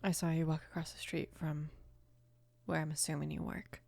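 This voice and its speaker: A woman of about twenty playing a mafia boss's protective, casual daughter in an intimate ASMR roleplay, speaking softly and unhurriedly, often slipping into a whisper. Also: flat delivery, dry recording. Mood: calm, confiding. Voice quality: soft, breathy whispering mixed with low murmur. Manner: hesitant, unhurried, casual with small pauses. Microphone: close microphone, dry.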